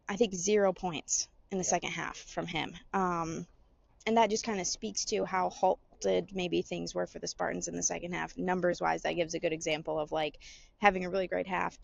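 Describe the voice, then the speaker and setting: Gravelly-voiced woman chatting about basketball. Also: mid-range voice. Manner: conversational, with filler-laden asides. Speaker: podcast co-host. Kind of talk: casual sports recap chat. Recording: dull lo-fi audio.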